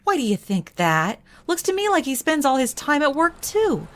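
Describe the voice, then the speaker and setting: A woman's voice: high voice, very animated, normal speed. An actress playing a breezy young woman who teases her friend in a casual way, in a radio drama. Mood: teasing. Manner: casual, teasing.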